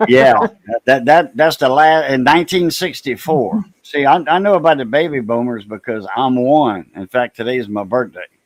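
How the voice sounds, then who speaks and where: A man in a plain, everyday voice talks at a medium pitch and moderate pace with lively intonation, the sound dry and close with no echo. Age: 60s. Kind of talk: casual chat.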